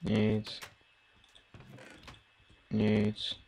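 A man's voice: fairly low pitch, completely flat delivery, a little mellow, slight background noise. A young man in his late teens casually commentating his own gameplay, mumbling and thinking aloud as he plays, with keyboard and mouse clicks behind him. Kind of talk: casual Let's Play commentary.

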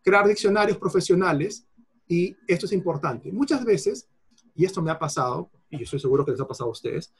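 A man gives an explanatory lecture to an audience, his voice slightly husky and a touch higher than most men's. He works through examples by repeating them and breaks off phrases to restart them, in a patient, teacherly way. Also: expressive, a little fast. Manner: didactic, repeats examples, self-corrects mid-phrase. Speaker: lecturer on Quechua linguistics. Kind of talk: explanatory lecture answering a participant.

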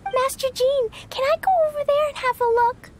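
A woman's voice: very high voice, fairly even intonation, moderate pace, a little hiss or hum. A woman voicing an innocent, earnest little girl in a video game, with a cutesy childlike voice and naive manner. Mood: eager. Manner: naive, speaks of herself by name.

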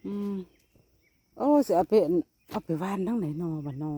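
A woman's voice: medium pitch, lively intonation, normal speed, warm tone, a little hiss or hum. A woman with an Isan Thai accent chatting casually to viewers in a vlog, filmed outdoors in a rural yard on a phone. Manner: chatty, addresses viewers as "brothers and sisters". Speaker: vlogger.

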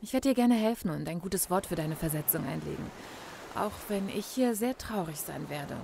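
A caring, gently teasing female detective in a radio crime drama, her voice a little low. A faint hiss sits behind her. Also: expressive, moderate pace, gravelly. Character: female police colleague Sibylle, caring friend.

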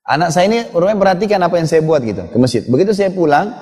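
A middle-aged man preaching a sermon, telling stories about his children in an earnest, fatherly way. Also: racing. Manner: storytelling, earnest and fatherly, lively in pitch. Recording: long hall reverb.

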